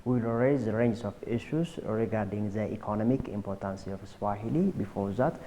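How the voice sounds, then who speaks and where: A man hosting an English television interview program, speaking in a halting way with frequent pauses. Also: on the low side, mellow, a little hiss or hum. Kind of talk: hesitant interview questioning. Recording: echoey hall-like reverb.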